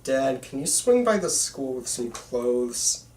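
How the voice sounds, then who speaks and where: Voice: medium pitch, big pitch swings, takes it slowly, darkish tone. A performer playing a bitter, intense teenage boy filmmaker in an amateur script read, recorded at a distance in a roomy space. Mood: exasperated. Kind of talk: amateur screenplay table read.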